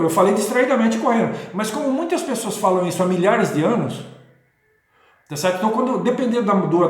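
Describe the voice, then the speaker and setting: A man talking in a rambling, casual way with many restarts and checking questions, as host of his own video. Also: high voice. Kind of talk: casual spoken talk on spirituality. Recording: very echoey room.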